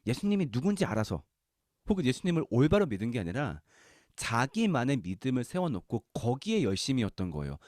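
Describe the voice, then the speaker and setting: A man's voice: medium pitch, huge pitch swings, fairly quick, darkish tone, dry recording, studio quality. A man teaching a Bible lesson in a conversational way, asking the listeners questions and acting out quotes. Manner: conversational, acts out quotes, asks the audience questions. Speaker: Bible study lecturer.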